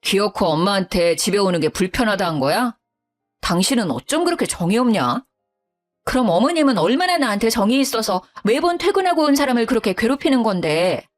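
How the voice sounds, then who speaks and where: A woman's voice: medium pitch, big pitch swings, fairly quick, soft background music, natural voice. A sulky young husband, reproachful and irritable, who sides with his mother against his wife, as a woman storyteller voices him. He sounds close to the teller's own voice, with a grumbling, put-upon edge.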